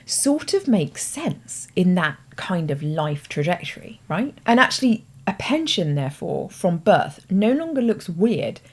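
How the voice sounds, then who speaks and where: A woman's voice: lowish voice, big pitch swings, measured pace, few pauses, slightly rough. A British woman hosting her own show, explaining ideas in a thoughtful, conversational way with hedging asides. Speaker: host. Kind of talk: explanatory talk to camera.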